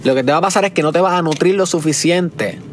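A man in his twenties from Puerto Rico, with a Puerto Rican accent, telling a lively story and giving spiritual advice, dropping English words into his talk. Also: fairly high pitch, fast, background noise. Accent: Puerto Rican Spanish. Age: 20s.

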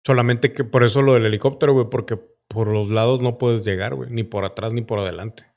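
A man's voice: mid-range voice, steady tone, fast talker, darkish tone. A Mexican man with a mid-range voice talks casually, as with a close friend. His speech is informal and peppered with coarse slang. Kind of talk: casual chat.

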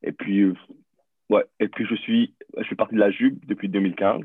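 Deep-voiced man on a tinny line. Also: fairly even intonation, brisk, husky. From Burundi. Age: 30s. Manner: hesitant, many fillers and restarts. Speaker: podcast guest. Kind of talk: casual interview talk.

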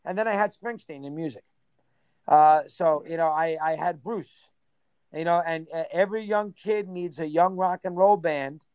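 A man in his sixties, reminiscing in a casual interview, rambling and rattling off names in quick bursts. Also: fairly high pitch, a little mellow, clear, resonant tone, no echo. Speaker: interview guest.

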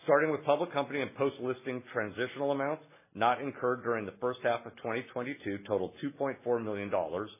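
A man in the role of a company finance executive reads a scripted financial report in a formal, measured way. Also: mid-range voice, husky. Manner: formal, measured reading of figures. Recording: muffled, narrow phone-line conference audio.

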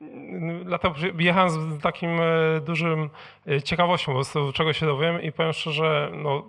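A man with a fairly high voice asks a question from the audience at a live event. He talks spontaneously and haltingly, breaking off and restarting his sentences. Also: level tone, vocal fry, a bit bright. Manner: hesitant, halting, many broken-off sentences. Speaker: audience member asking a question.

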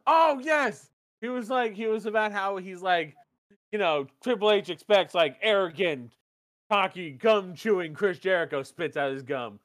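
A man's voice: high-pitched, normal speed, a bit bright. A man co-hosting a casual wrestling recap podcast, bantering loosely, laughing often and swearing freely. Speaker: podcast co-host.

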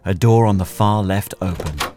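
A man narrating a first-person assassin thriller in terse, deadpan, clipped phrases. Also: sits low, normal speed, music in the background.

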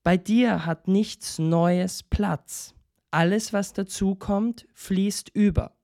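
Ein Mann mit österreichischem Akzent spricht beim Erzählen einen ruhigen, weisen Mönch, langsam und belehrend. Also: male voice, high voice. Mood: calm. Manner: slow, calm, instructive. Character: calm wise male monk, unhurried.

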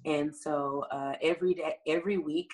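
A woman's voice: low-pitched, steady tone, normal speed, a little mellow, low-quality recording. A woman from the American South, a singer, chatting upbeat in an interview with many fillers. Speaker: singer, guest. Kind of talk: casual interview answers.

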